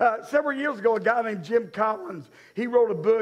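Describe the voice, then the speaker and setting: A man talks at a fairly quick pace. He has a Tennessee accent. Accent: Southern US (Tennessee). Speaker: pastor. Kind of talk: sermon. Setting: church with congregation. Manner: animated.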